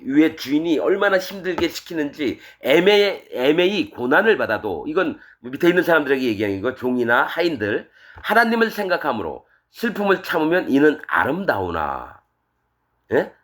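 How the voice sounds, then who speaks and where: A middle-aged male pastor delivers a verse-by-verse sermon in an animated way. His voice sits fairly high and swings widely in pitch as he acts out masters and servants in quoted voices. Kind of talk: sermon, verse-by-verse Bible exposition.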